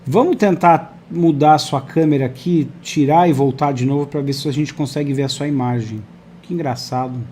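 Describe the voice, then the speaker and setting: A man's voice: on the high side, moderate pace, dark tone, a little hiss or hum. Friendly male host on a video call. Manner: friendly, chatty, asks viewers to engage. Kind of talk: live online interview.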